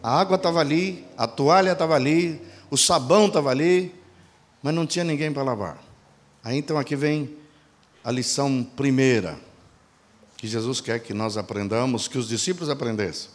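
A man preaching a sermon, posing rhetorical questions to the congregation and answering them himself, and acting out quoted dialogue. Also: brisk. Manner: acts out quoted dialogue with shifts in pitch and pace.

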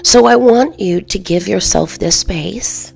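Female meditation guide, very slow and soothing, soft half-whispered delivery, lowish creaky voice, faint music underneath. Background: soft background music.

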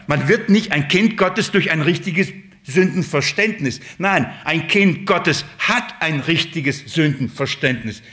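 A man preaching a sermon, emphatic, swinging between loud and hushed, and asking the congregation rhetorical questions. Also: fairly high pitch.

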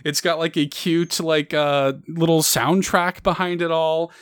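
A man's voice: fairly high pitch, steady tone, measured pace, clean tone, no echo. A man hosting a podcast, chatting casually and rambling with lots of fillers. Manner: rambling, many fillers, upbeat. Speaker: podcast host.

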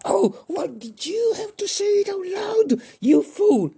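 A man voicing a hot-tempered boy in a told story, shouting shrill, scolding complaints. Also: very animated, takes it slowly, creaky, full character voice. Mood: exasperated.

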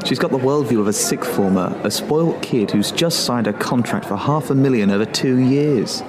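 An actor playing a self-absorbed photographer and breezy, defensive boyfriend in naturalistic audio drama dialogue. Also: male voice, mid-range voice, expressive, moderate pace, noisy background, lightly acted. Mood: amused, defensive. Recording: music under the voice. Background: music.

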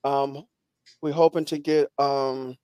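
A man's voice: mid-range voice, flat delivery, slow pace, a little mellow, smooth, no echo. A man hosting a podcast with casual, informal sports talk, often repeating phrases as he goes. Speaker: podcast host.

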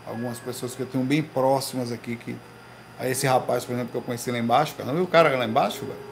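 A man hosting a casual livestream from his home, telling slangy, animated stories to his viewers. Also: mid-range voice, very fast, creaky, a little hiss or hum. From Recife, Brazil. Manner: slangy, animated storytelling with lots of "velho" and "cara". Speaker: livestream host. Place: home room.

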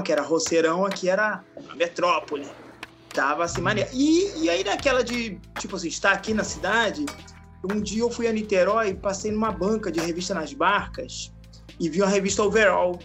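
A man in his late forties with a Rio de Janeiro Brazilian accent, telling his story as a podcast guest in a relaxed way, full of slang and laughter. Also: sits high. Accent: Rio de Janeiro Brazilian Portuguese. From Araruama, Rio de Janeiro state, Brazil. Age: 40s. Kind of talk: casual storytelling interview.

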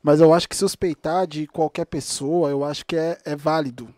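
A man's voice: a little high, fairly even intonation, normal speed, a little mellow, no echo. A man with a slightly raised voice co-hosts a casual conversation. He cuts in with short remarks and gives his own view, heard close and dry. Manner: interjects briefly, offers his own opinion.

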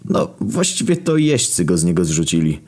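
Irreverent drinking Jesus, offhand and deep-voiced, read by a man. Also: sing-song, normal speed, darkish tone, breathy edge, heavily acted. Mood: flippant. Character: laid-back irreverent male Jesus, drinking.

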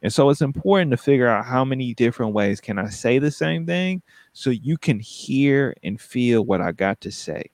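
A man speaking in a relaxed conversation, reflective with a coaching, emphatic way of talking. His voice sits at a middle pitch. The recording is dry. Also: normal speed, no room sound. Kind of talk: casual conversation.

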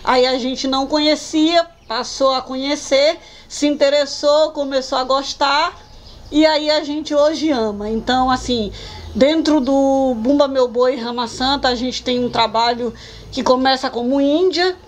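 A woman's voice: high voice, unhurried. A woman, a cultural agent speaking earnestly in an interview. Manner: earnest, with frequent "né". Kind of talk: interview testimony.

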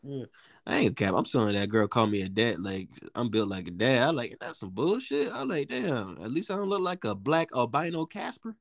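A young man with a deep voice chatting casually with a friend, full of slang, restarts and laughter. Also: big pitch swings, gravelly, no room sound, studio quality. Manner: loose slangy talk, quick laughs, rambling restarts. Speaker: co-host of a casual chat. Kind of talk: casual chat between friends.

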